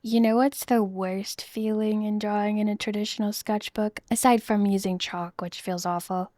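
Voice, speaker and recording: A woman in her thirties, chatting casually in a soft, rambling way while she draws on stream. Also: medium pitch, steady tone, moderate pace, no echo, clean studio sound. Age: 30s. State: losing her voice. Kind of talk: casual chat while drawing.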